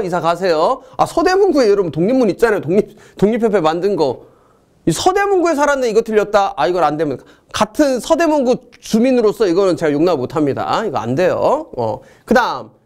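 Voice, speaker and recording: A middle-aged man teaching a history exam-answer lecture, joking and chatting with his students between questions. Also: sits high. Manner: jokey, excitable, chatty asides to students.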